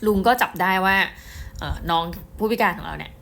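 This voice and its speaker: A middle-aged woman giving a casual book review, chatty and excitable, often speaking straight to her viewers. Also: lowish voice, brisk, creaky. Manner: chatty, addresses viewers directly, excitable storytelling.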